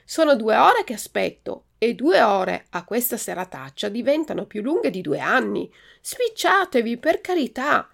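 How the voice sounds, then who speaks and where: Woman doing a whiny puppet kid, high and pushy, bit gravelly. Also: lively intonation, moderate pace, few pauses. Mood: pleading. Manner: pleading, urgent. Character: impatient, cold wooden puppet boy.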